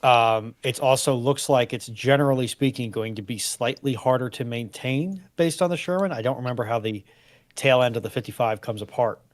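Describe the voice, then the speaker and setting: A man's voice: medium pitch, brisk. A man talking informally in a history discussion, explaining points with colloquial turns of phrase.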